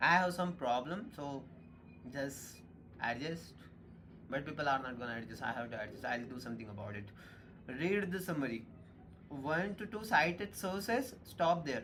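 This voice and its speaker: A fairly high-pitched man at a moderate pace with very wide pitch swings and long, frequent pauses, amid noticeable background noise and audible room echo. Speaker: youtuber learning in public. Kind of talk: live stream, thinking out loud. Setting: live stream. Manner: halting.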